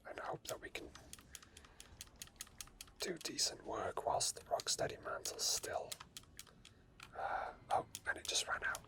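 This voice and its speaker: In a soft whisper, a man provides meandering ASMR commentary on a game he's playing, musing aloud slowly for his ASMR gaming channel.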